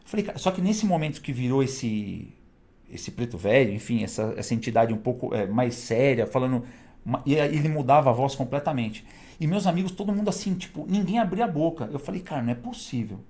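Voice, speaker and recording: Fast-talking man telling stories. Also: medium pitch. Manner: animated, laughing storyteller. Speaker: guest. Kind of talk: casual storytelling.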